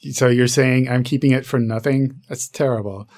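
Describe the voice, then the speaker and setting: A man's voice: mid-range voice, steady tone, normal speed, a little mellow. A man on a podcast in casual banter, playful and often asking questions. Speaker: podcast guest or co-host.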